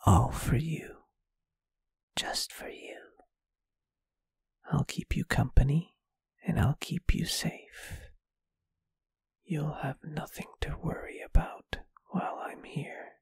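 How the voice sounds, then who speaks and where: A performer voicing a shy, gentle, lovestruck ghost in an ASMR roleplay, in a breathy, soft, hesitant and tender whisper. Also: mid-range voice, takes it slowly, pauses often, no room sound, clean studio sound. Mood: tender, devoted. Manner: bashful, tender, hesitant, intimate. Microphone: close microphone, dry.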